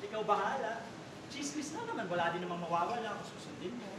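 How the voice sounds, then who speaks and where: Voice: medium pitch, expressive, fast, crowd noise, lightly acted. An actor in a staged play reading, playing a flamboyant gay older brother who talks campily in exclamations, mixing in English. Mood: sassy scolding. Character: flamboyant, campy gay older brother minding his little sister. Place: basement theater stage. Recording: echoey stage room, distant, loud background noise.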